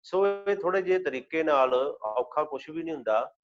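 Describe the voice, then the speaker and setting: A man, teaching an online scripture class. He tells stories and recites verses slowly, heard over a video call. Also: fairly high pitch, animated. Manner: storytelling, then slow recitation of verses. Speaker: Gurbani teacher. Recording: dull lo-fi video call audio.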